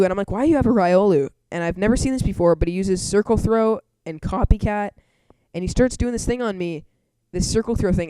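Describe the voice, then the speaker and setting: Casual gamer man narrating battle clips; mellow, dry close-mic sound, talkative. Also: sits high, clean tone, no echo. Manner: chatty, laughs often, frustrated asides. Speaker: channel host. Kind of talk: casual game commentary voice-over.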